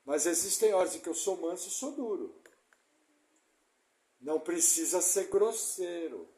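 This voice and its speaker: A man preaching a sermon as pastor, emphatic, putting rhetorical questions to the congregation and swinging between loud stresses and quiet asides. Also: high-pitched, very animated, unhurried. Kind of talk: expository sermon.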